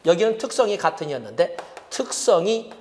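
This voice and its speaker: A man's voice: high voice, sing-song, fairly quick, slight background noise. A middle-aged man giving an exam-prep lecture, repeating key terms as he writes them on the board.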